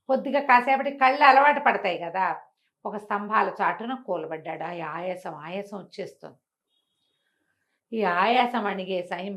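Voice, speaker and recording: A woman telling a bedtime folk tale in a conversational, animated way, often repeating phrases and acting out dialogue. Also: mid-range voice, gravelly. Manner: conversational, with repetition and acted dialogue. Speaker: storyteller.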